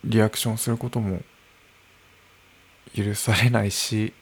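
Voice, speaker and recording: Guy in his early 30s, low gravelly voice, thinking out loud solo at home. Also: fairly even intonation. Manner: slow, musing, with soft laughs. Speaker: podcast host. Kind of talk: unscripted solo podcast talk. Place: room at home, alone. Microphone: podcast microphone.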